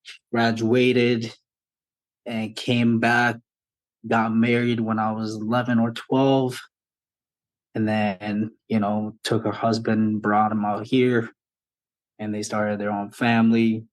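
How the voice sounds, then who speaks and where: Guy in his 30s from ethiopia, slow and even, kinda low voice, podcast guest chat. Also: low-quality recording. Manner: unhurried, thoughtful, restarts often. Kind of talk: casual interview.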